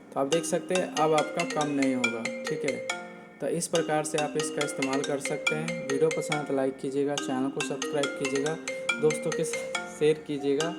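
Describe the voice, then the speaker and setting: A man's voice: fairly high pitch, steady tone, moderate pace, loud music behind the voice. A man explaining settings step by step in a casual tutorial style, often repeating himself as host.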